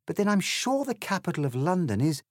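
A man's voice: sits high, big pitch swings, fairly quick, dry recording, clean studio sound, pitched above the performer's own voice. A man voicing a confused, indignant little girl in a storybook, speaking primly and earnestly with exclamations. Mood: puzzled.

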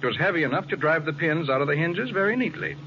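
Cool, wry detective hero played by a man, very animated delivery, noisy old radio recording. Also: fairly high pitch, muffled recording, lightly acted. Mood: casually boastful. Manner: brisk, wry, self-assured. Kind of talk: 1940s radio acting.

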